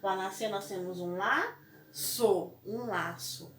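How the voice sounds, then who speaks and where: A woman's voice: mid-range voice, slow, slight background noise. A Brazilian woman teaching a primary school lesson, speaking patiently and checking in with the children often. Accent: Brazilian Portuguese. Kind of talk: recorded classroom lesson. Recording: echoey room.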